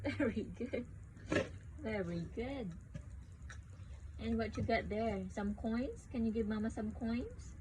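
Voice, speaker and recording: Slow, patient mother coaxing a toddler. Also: on the high side, sing-song, noisy background. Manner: slow, patient, encouraging, sing-song prompting. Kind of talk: child-directed talk with a toddler.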